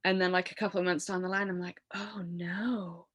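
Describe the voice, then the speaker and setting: A woman in her thirties with an English accent and a low, smoky voice, talking casually and animatedly as an interview guest, laughing often and filling with "like". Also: flat delivery, moderate pace, a bit bright, slightly rough, dry recording, studio quality. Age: 30s. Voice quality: low voice from years of smoking. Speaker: musician guest.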